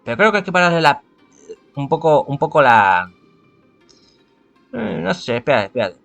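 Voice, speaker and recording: A man from playing a visual novel, reading the text aloud and thinking out loud between choices. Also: fairly high pitch, very animated, vocal fry, soft background music. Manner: chatty, thinks aloud, halting restarts. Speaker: let's-play host.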